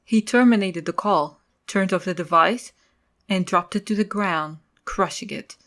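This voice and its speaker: A woman's voice: medium pitch, unhurried, fairly bright tone, a little hiss or hum. A woman reading scripted third-person story narration for an audio drama.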